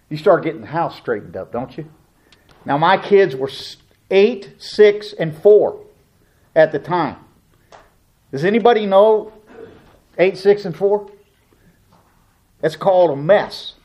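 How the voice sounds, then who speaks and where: A middle-aged man preaching a sermon as a pastor, telling a family story with lively acted-out voices. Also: high-pitched, dull audio.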